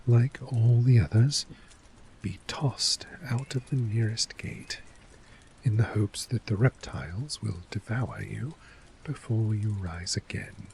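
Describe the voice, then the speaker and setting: A man playing a cynical, world-weary fort official in a soft-spoken ASMR fantasy role play, measured and sardonic, sometimes dropping toward a whisper. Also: mid-range voice, a little hiss or hum, lightly acted, poor audio.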